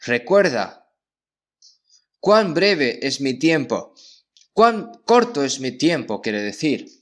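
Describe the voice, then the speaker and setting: A man preaching a sermon as pastor in a church, in a measured delivery that keeps checking in with his listeners through short questioning tags. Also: fairly high pitch, big pitch swings, a bit bright.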